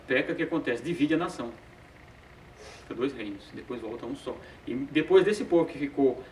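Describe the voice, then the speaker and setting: A man's voice: medium pitch, a little hiss or hum. Man teaching Bible study, roomy sound. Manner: hesitant, repeats filler sounds, chuckles often. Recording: roomy sound from a distant mic.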